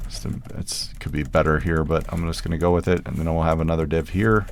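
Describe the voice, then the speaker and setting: Low-voiced man talking through code casually. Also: flat delivery, a little fast, a little hiss or hum. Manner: casual, thinks aloud while typing code. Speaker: programming tutorial host. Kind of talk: screen-recorded coding tutorial.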